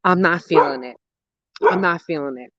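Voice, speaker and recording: A woman's voice: sits low, normal speed, fairly bright tone, no echo, highs cut off. A woman of about forty chatting casually and expressively on a gardening livestream, slangy, thinking aloud and easily sidetracked as she answers comments. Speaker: host of a gardening and mental health livestream. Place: outdoors in a garden.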